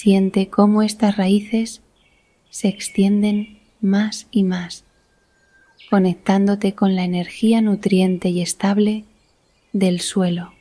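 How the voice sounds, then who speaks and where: A woman guiding a meditation in a soothing, deliberate manner with long pauses between phrases. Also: medium pitch, flat delivery, warm tone. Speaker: guided meditation instructor. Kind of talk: slow guided meditation narration.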